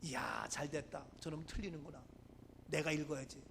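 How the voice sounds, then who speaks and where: A man with a high, bright voice preaches in a church, telling stories with lively swings between quiet asides and loud, forceful lines. Faint background noise sits under the voice. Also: moderate pace, gravelly. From Gangwon Province, Korea. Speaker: pastor. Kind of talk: sermon. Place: church sanctuary.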